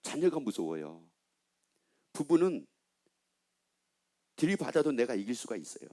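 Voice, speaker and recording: A man's voice: mid-range voice, big pitch swings, a little slow, dark tone. A middle-aged male pastor preaching a sermon, asking the congregation questions and answering them himself, and acting out the lines of a scolding father.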